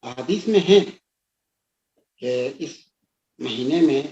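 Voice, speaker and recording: A man's voice: mid-range voice, animated, dark tone. A middle-aged man, a religious scholar appearing as a guest, opening with Arabic invocations and then explaining points with emphasis. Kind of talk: religious explanation on a talk show. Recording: roomy, dull lo-fi sound.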